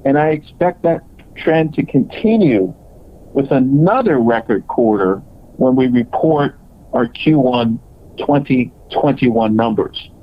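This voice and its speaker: A man presenting as a company executive, reading scripted earnings call remarks in a halting way with broken phrasing. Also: mid-range voice, animated. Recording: dull, lo-fi conference call audio.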